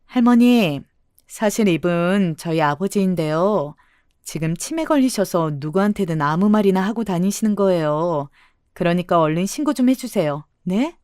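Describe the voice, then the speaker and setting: A woman voicing a bold, scolding middle-aged sister-in-law who shouts theatrically in a radio story. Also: on the low side, lively intonation, moderate pace, smooth, dry recording, clean studio sound, lightly acted.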